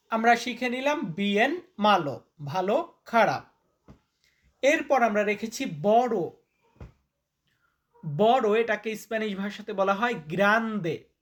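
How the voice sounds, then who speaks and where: A man's voice: sits high, fairly bright tone. A man teaching a spoken vocabulary lesson. He repeats each word to drill it, quizzes the listener, and addresses viewers informally as brother. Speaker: language teacher.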